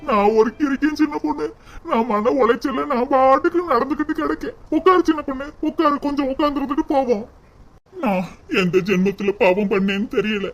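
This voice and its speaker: A woman's voice: high voice, a little fast, soft background music. A woman voicing a weary young cartoon husband. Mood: weary, soothing. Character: troubled young husband, gentle. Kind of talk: cartoon voice acting.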